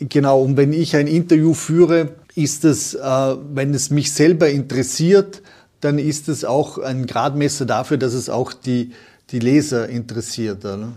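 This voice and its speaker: A man speaks at a fairly slow pace in a fairly high pitch. His tone is dark and mellow, with ordinary pitch variation. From Austria, Vorarlberg. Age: 50s. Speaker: former journalist, men's ministry staff. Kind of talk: interview.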